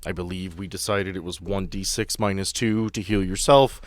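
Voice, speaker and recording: A man's voice: sits low, steady tone, moderate pace, no echo. A man acting as game master, narrating and refereeing a tabletop game in a casual, explanatory way with vivid descriptions.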